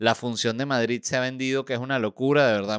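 Against a quiet background, a man speaks in a dry recording with no echo. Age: 30s. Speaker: comedian and podcast host; podcast host. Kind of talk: solo comedic monologue podcast; casual podcast chat. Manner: casual, animated. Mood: relaxed, humorous. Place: studio. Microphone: studio mic.

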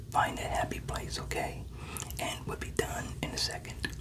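A man is speaking. He is whispering. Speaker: vlogger. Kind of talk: casual vlog chat, comic role-play. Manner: soft, soothing ASMR voice. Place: home room. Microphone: phone near.

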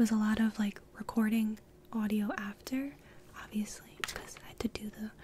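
A woman is whispering at a fairly slow pace. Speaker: ASMR content creator. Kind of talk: casual vlog chat. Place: home room. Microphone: studio mic.

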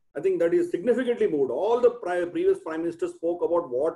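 Against a quiet background, a man in an Indian accent talks with lively intonation and a dark, mellow tone. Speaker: moderator. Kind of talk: panel moderation. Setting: video call. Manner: hesitant, many fillers. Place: home room. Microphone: earbuds.

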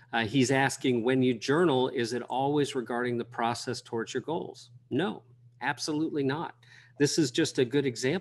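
Moderate pace with ordinary pitch variation. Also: man. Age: 50s. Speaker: business coach running a webinar. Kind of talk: webinar presentation. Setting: online webinar with live chat. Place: home room. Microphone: webcam.

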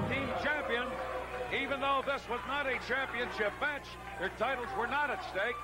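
The talking proceeds at a moderate pace. Loud background music plays beneath it. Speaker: wrestling play-by-play commentator. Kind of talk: live wrestling commentary, play-by-play. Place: hall.

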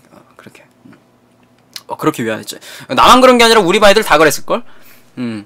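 A man's animated, very fast delivery with long, frequent pauses and big swings in loudness, against a quiet background. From South Korea. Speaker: streamer. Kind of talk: casual storytelling. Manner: repetitive. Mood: wry, annoyed recollection, swearing. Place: home room. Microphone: studio mic.

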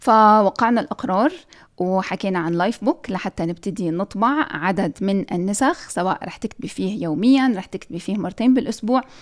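A woman talks at a moderate pace with hardly any pauses and lively intonation. The background is quiet. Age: 40s. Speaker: podcast host and workshop coach; podcast host, workshop coach. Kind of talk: live stream talk to followers. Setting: live video stream. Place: home room. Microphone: studio mic.

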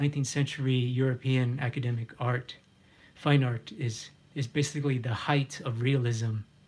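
In a monotone, flat intonation, a man with a somewhat breathy, medium-pitched voice speaks at a moderate pace. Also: long, frequent pauses. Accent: American. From US South, Florida (Pinellas Park). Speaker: poster artist and art instructor. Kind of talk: live-streamed drawing tutorial. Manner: halting, many fillers.

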